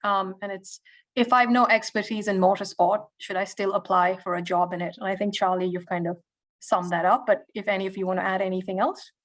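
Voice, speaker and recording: A woman's voice: mid-range voice, fairly even intonation, a little fast, fairly bright tone. A woman moderating a webinar, reading out audience questions in a friendly way. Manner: friendly, reads questions aloud.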